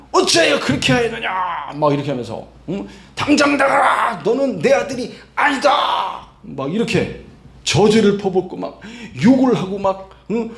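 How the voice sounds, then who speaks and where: Male pastor, high voice, emphatic sermon delivery, echoey church room. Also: a little mellow. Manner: emphatic, acts out quoted voices, fills with 막 and 응. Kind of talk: Sunday sermon. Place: church sanctuary.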